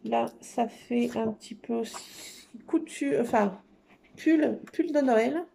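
This crafter's voice is fairly high, gravelly and warm, and she takes her time as she eagerly presents scrapbooking papers. Fillers abound and "trop beau" keeps coming back. A little hiss or hum sits under the recording.

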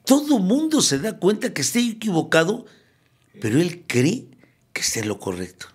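A man giving a spiritual recovery talk, telling it as a lively story and repeating phrases for emphasis. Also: high voice, normal speed, slightly rough. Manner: lively storyteller who acts out the quotes he tells. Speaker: speaker at a recovery group meeting.

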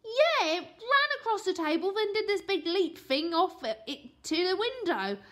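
A woman's voice: extremely high pitch, very animated, a little slow, fairly bright tone, voice pushed up, full character voice. A woman voicing a bratty young boy who whines and mangles his words. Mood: whiny.

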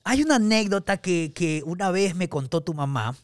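A man's voice: sits high, lively intonation, normal speed, clean tone, dry recording, studio quality. A man with an Ecuadorian coastal accent hosting a casual podcast interview, asking chummy, teasing questions full of local slang. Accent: Ecuadorian coastal Spanish. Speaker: podcast host.

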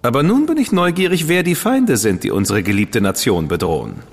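An actor playing a witty, defiant dandy with a sarcastic, cheeky manner. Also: male voice, medium pitch, big pitch swings, husky, long reverb tail. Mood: sardonic. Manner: sarcastic, quick-witted, cheeky. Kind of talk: radio play acting.

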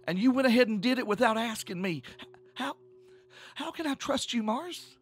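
A man voicing a hurt, angry young woman, halting and emotional, in a narrated drama. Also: a little high, lively intonation, gravelly, breathy edge, soft background music, voice pushed up, exaggerated voice.

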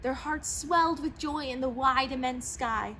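A young woman reading a rhyming picture book aloud with an expressive, sing-song delivery, seated in an old plane in a large museum hangar. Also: high-pitched, unhurried, a little hiss or hum. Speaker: storyteller.

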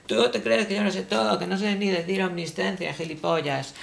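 A vain, touchy god, done by a man in a comedy sketch, who rambles and snaps insults. The voice is gravelly and a little high. He sounds put out by every question. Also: steady tone, brisk. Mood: irritated. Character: petulant, vain male god, easily annoyed.

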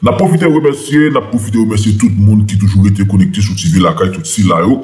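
A man's voice: fairly low pitch, fast, a little mellow. A man hosting an online news channel, rallying viewers and introducing a segment with lots of fillers. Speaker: channel host.

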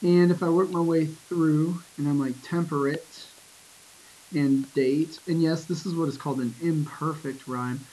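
A man teaching a poetry lesson in a relaxed, casual way, with lots of ums and restarts, reading verse lines slowly. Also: fairly high pitch, poor audio. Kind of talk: casual screen-recorded lesson.

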